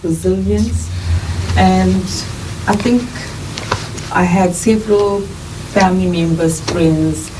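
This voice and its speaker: A middle-aged South African woman, a nurse and midwife, giving earnest, measured interview answers. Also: fairly low pitch. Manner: measured, earnest, lists things in steady runs. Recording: distant mic with clear background noise.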